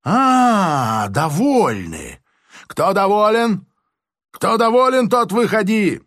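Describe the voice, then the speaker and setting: A shrill furious prison major. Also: male voice, huge pitch swings, takes it slowly, husky, no room sound, studio quality, full character voice. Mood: yelling, accusing. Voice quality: shrill, squealing shouts. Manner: barking short commands, drawn out. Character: shrieking enraged male prison major, bullying.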